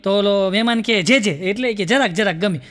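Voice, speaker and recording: A man's voice: high voice, brisk, a bit bright, in a large hall. A male comedian telling stage jokes in a punchy way, repeating the catchphrase.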